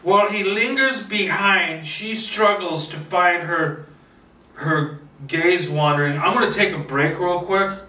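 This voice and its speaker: A man with a fairly high, bright voice reads a screenplay informally. He narrates action and sometimes trips over words. The room is very echoey. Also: unhurried, slight background noise. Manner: stumbles and repeats words while reading. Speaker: script reader. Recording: roomy echo, distant mic.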